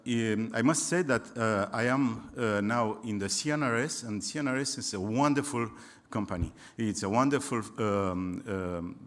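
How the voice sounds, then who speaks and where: A man with a Romanian accent, a native Romanian speaker, giving a public astronomy lecture in English, pausing often and restarting as he searches for words. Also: lowish voice.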